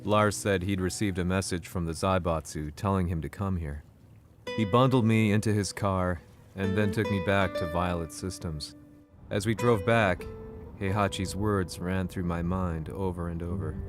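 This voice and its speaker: An actor playing a weary middle-aged male journalist, narrating in a measured, reflective way. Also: low voice, fairly even intonation, over music, close to an everyday voice. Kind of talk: game cutscene narration.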